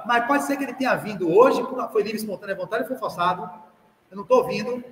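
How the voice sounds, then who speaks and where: A Brazilian man giving a live spiritist lecture, lively and joking, who talks straight to his listeners and acts out the parents he quotes. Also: sits high, fast talker. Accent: Brazilian Portuguese. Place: spiritist center hall. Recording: echoey hall recording with light background noise.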